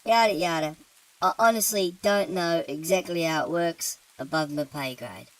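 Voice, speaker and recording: A tired demon with a thick British accent chats away, voiced by a man telling a horror story. His voice sits fairly high and loose, and he rambles casually as if the job bores him. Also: normal speed, natural voice, poor audio. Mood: offhand. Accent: thick British (put on). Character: weary, chatty male demon, fairly high voice. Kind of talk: horror-comedy story narration.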